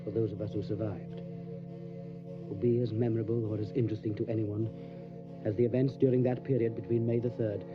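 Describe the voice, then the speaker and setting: Low-voiced formal gentleman played by an actor, music behind. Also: little pitch movement, close to an everyday voice. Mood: reflective, measured. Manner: measured, formal, polite. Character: courteous English solicitor recounting his journey to Transylvania. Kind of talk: audio drama narration and dialogue. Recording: dull lo-fi audio with music behind.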